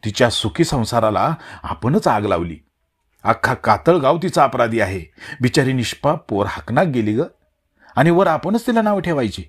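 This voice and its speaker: A man's voice: mid-range voice, sing-song, normal speed, slightly rough. A male narrator voicing a grown son home from the city, blunt and defiant with his mother. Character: grown son back from the city, restless and resentful.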